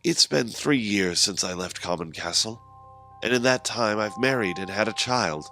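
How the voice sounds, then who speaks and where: A man reads a first-person horror tale as a scripted narration. His voice is very deep with a gravelly fry. Soft music plays underneath. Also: expressive, normal speed, no echo.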